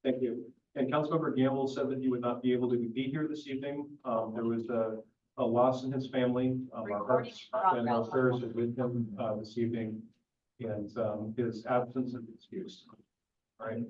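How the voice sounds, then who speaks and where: A man acting as mayor, opening a public council meeting. He talks slowly and projects his voice without yelling, with no microphone in a meeting room. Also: medium pitch, little pitch movement. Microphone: no microphone, picked up from a distance. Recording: echoey, distant, dull sound.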